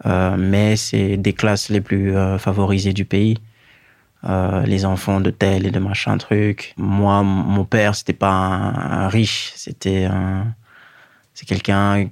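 A man in his thirties from Guinea, a native Fula speaker, telling his own story as an interview guest in a measured way with many pauses and fillers. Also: on the low side, gravelly, darkish tone, no echo, studio quality. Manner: measured, pausing often with fillers. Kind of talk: reflective personal storytelling.

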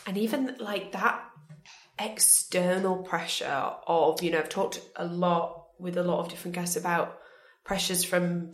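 Female interviewer, casual and unpolished, a little low in pitch, audibly roomy recording. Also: fairly even intonation, unhurried. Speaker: podcast host, interviewer.

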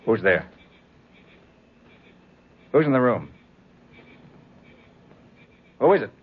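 An American actor playing a shrewd, self-assured private detective with a husky voice in a 1940s radio drama on a dull old recording. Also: male voice, mid-range voice, very animated, unhurried. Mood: alarmed, accusing.

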